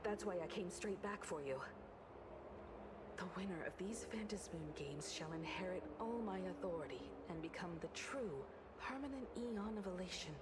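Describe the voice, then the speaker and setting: A woman voicing a composed, earnest young game character in a measured, serious way. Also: lowish voice, animated, lightly acted. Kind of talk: anime game voice acting. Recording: game audio under loud background noise.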